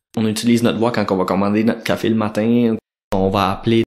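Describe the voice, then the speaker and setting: A man's flat, monotone delivery at a moderate pace. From New Brunswick, Canada. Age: 20s. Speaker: social work student. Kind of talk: casual chat.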